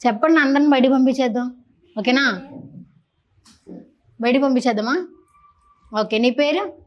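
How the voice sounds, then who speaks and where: A woman interviewer with a slightly high voice chats with young children. She teases them playfully and keeps the talk light and casual. She speaks into a handheld mic. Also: moderate pace, dull audio. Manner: playful, teasing, chatty with kids.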